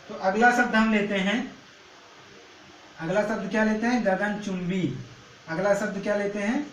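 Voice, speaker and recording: A man's voice: high-pitched, steady tone, normal speed, a bit bright. A male teacher giving a Braille lesson. He asks the pupils each question and then repeats the question and its answer. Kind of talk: classroom lesson. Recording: echoey room, mic at a distance, faint hiss.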